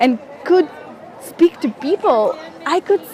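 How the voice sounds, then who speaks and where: A speaker with a Russian accent, the pitch swinging very widely. Crowd noise fills the background. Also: woman. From Russia, Kursk. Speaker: model and blogger. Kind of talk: interview. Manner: halting, searching for English words.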